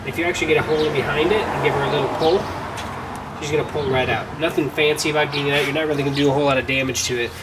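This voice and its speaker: A man's voice: fairly high pitch, fairly even intonation, rapid-fire. A man hosting a casual how-to car tutorial, thinking aloud in a folksy way as he works. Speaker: DIY car tutorial host. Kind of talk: casual how-to narration while working. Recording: distant mic, clearly noisy, vehicle ambience.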